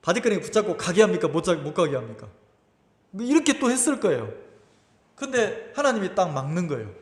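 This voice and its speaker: A man's voice: high-pitched, big pitch swings, a little fast, reverberant, big-room sound. A middle-aged male pastor giving a sermon, telling a personal story with emotion and acting out the voices of his mother and himself. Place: church sanctuary.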